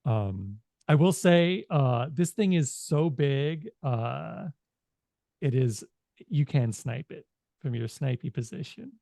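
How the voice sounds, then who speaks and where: A man speaking in a halting, informal way as he narrates a tabletop game as game master. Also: mid-range voice, expressive, creaky, mellow, no echo.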